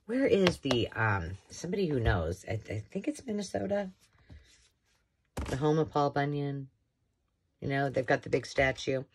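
A woman's voice: very deep voice, big pitch swings, moderate pace, long pauses, a little hiss or hum. A woman hosting a casual show-and-tell of thrifted books, chatty and rambling with enthusiastic asides, filmed indoors at a craft table. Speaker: craft channel host.

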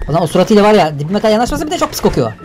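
A young man giving energetic, exclamatory gameplay commentary for a video. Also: sits high, racing, music in the background. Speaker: gaming YouTuber. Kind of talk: excited game commentary.

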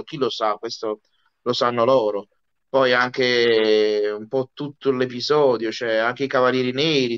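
A man's voice: mid-range voice, a bit bright. A man in his thirties talking casually as a guest on an online panel. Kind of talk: casual episode discussion. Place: room at home. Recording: dull lo-fi video call audio.

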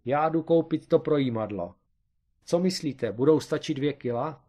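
Reading a comic storybook, a man voices an excitable, scheming amateur detective, eager and explanatory with a raised voice. His pitch is on the high side and pushed up, lightly acted.

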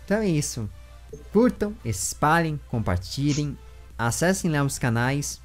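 Brazilian man, twenties, casual channel host, expressive intonation, close studio mic. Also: a little high, measured pace, soft background music. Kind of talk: casual video chat with viewers. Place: small room with bookshelves. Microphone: large studio microphone up close.

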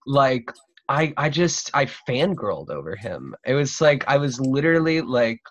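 A man's voice: mid-range voice, big pitch swings, moderate pace. A man in his twenties hosting a casual roundtable over a video call, talking in a gushing, slangy way. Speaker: podcast host. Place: cluttered room at home, indoors. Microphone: video call, computer mic. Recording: dull lo-fi video call audio.

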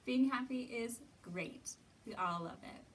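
A woman in her thirties gently guiding young children through a lesson, asking simple encouraging questions and pausing often. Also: fairly high pitch. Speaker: children's storytime host. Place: indoor library room with bookshelves. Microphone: camera a few feet away. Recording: distant mic, roomy ambient noise.

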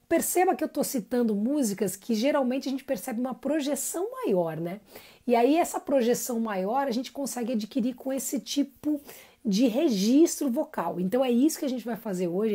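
A woman's voice: on the high side, mellow. A woman giving a live-streamed singing lesson, chatty and encouraging, greeting viewers by name between explanations. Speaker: singing teacher.

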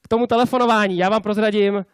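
A man's voice: sits high, steady tone, smooth, no room sound, studio quality. A man giving a motivational conference talk on selling, often asking the audience rhetorical questions. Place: conference stage before a live audience.

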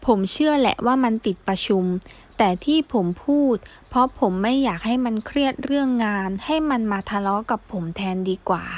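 Higher-pitched woman reading a novel aloud. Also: fairly quick. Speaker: audiobook reader. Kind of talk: first-person novel narration.

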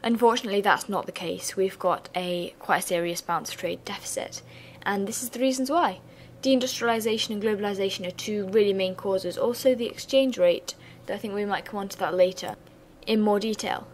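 A young woman, hoarse and losing her voice, giving a chatty revision lesson with casual asides. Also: mid-range voice, a little fast, hardly any pauses, slight background noise. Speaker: student revision tutor.

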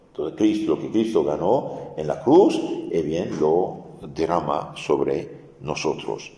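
A low, dark-toned man teaches catechism to adults. He explains patiently and circles back to repeat his main points. His voice rings out into a large hall with a long, roomy reverb. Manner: explanatory, repeats key phrases, many restarts.

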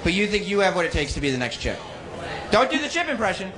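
Man, high pitch, stage warm-up host, casual teasing banter, noisy audience. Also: huge pitch swings, quick pace. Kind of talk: live crowd hosting, casual banter. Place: stage at a live event. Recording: live venue with crowd noise. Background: audience noise.

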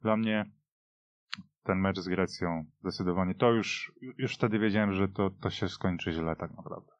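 Male podcast panelist, low register, emphatic and opinionated, casual reminiscing, slightly muffled dry studio recording. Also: fairly even intonation, moderate pace, no room sound.

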